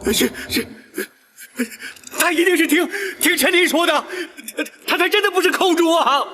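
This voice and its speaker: An actor playing a terrified, guilty, cringing palace eunuch villain in a period drama, stammering in panic. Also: male voice, very high voice, normal speed, sharp tone, a little hiss or hum. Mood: flustered denial. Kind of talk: theatrical Chinese period drama acting.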